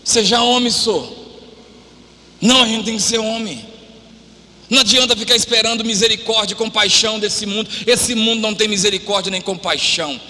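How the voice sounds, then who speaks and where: Male pastor, high, sharp, fervent preaching, church hall echo. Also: brisk. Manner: fervent preaching, shouting at climaxes; drops to a lower, quieter, chatty tone. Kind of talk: live sermon. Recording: live church hall reverb.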